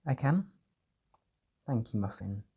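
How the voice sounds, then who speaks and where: A man playing a gentle, doting caretaker in an intimate comfort roleplay, speaking softly and reassuringly with a husky, slightly creaky voice. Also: medium pitch, lively intonation, slow, exaggerated voice. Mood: concerned, reassuring. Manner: tender, reassuring, coaxing, uses pet names. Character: gentle, doting male caretaker soothing his overwhelmed partner. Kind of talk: soft roleplay comfort audio, intimate and unhurried.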